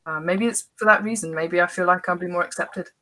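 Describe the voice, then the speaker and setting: A woman's voice: lowish voice, fairly quick, bright, forceful tone. A woman guest in a casual podcast conversation, talking as a writer in a hesitant, self-reflective manner.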